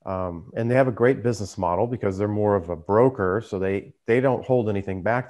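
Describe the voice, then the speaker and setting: A man's voice: lowish voice, a little mellow. A man who hosts a trading channel, telling his story in a casual, conversational way. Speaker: trader and YouTube channel host.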